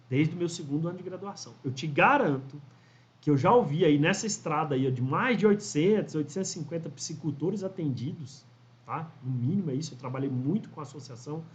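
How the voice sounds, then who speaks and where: A man's voice: fairly high pitch, expressive, a little fast. A man, teaching fish farming in a chatty storytelling way, often tagging sentences with "né?". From Brazil. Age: 40s. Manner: chatty storyteller, frequent "né?" tags, acts out quoted voices. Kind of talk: casual instructional talk to camera. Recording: dull lo-fi audio.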